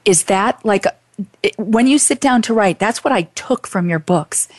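A woman hosting an interview, earnest and effusive, halting as she gathers her thoughts. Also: medium pitch, expressive, no room sound. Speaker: interviewer, show host. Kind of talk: casual interview.

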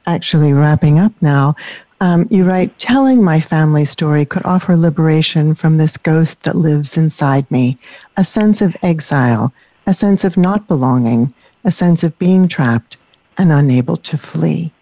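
A woman hosting a radio interview show, speaking in an appreciative, measured way and closing the episode. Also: low-pitched, warm tone, dry recording.

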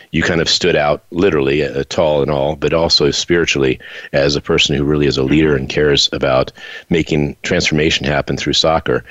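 A very deep-voiced man hosts an interview and asks long, chatty questions that wander. The sound is dry and close, with no room echo, and the audio is dull and lo-fi. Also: fairly bright tone. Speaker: interviewer host.

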